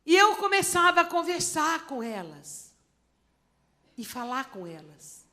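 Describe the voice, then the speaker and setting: High-voiced Brazilian woman pastor preaching. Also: very animated, measured pace, bright, forceful tone. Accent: Brazilian Portuguese. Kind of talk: sermon. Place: church service.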